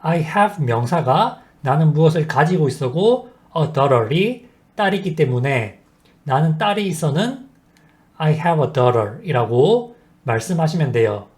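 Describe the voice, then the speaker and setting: A man teaching a basic English lesson, explaining sentence patterns slowly and modeling each example sentence. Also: a little high, animated, a little mellow. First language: Korean. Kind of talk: scripted language lesson.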